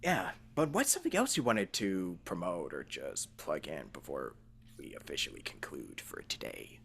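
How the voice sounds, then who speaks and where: A man with a fairly low voice hosts a casual interview podcast. His intonation is very animated, rising and dropping widely. He talks in an earnest, rambling way, circling his point as he goes. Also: normal speed, creaky, breathy edge. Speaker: podcast host, voice actor.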